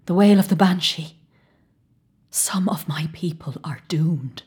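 A woman's voice: medium pitch, expressive, normal speed, a little mellow, breathy edge. A woman reading the part of a shaken Irish surgeon, an adult man, speaking in urgent, agitated questions.

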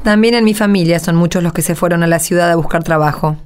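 A woman's voice: lowish voice, fast talker, a little mellow, clean tone, lightly acted. A woman with an Argentine accent playing an earnest, patient village mother in a radio drama. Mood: wistful.

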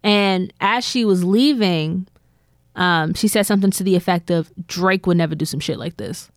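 A woman's voice: fairly low pitch, no echo, clean studio sound. A woman co-hosting a podcast, retelling gossip in a chatty, meandering way full of fillers. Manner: chatty storyteller, drawn-out filler-laden retelling. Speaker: podcast co-host. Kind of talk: casual gossip chat.

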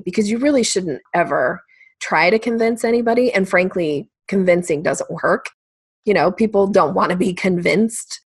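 A woman's voice: medium pitch, husky, dry recording. A woman sales coach explaining her method as a podcast guest, conversational and emphatic.

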